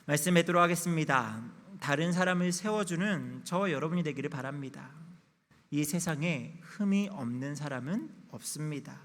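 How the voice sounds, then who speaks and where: A man's voice: fairly high pitch, normal speed, fairly bright tone. A pastor in his thirties giving a candid, confessional sermon in a church sanctuary. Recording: long church reverb.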